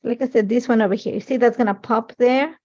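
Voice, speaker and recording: A woman's voice: a little high, steady tone, fast, darkish tone. A middle-aged woman with an Ecuadorian Spanish accent, a native Spanish speaker, chatting casually and thinking aloud as she leads a live crafting demonstration. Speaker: crafting host. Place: crafting desk, overhead camera. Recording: dull lo-fi stream audio.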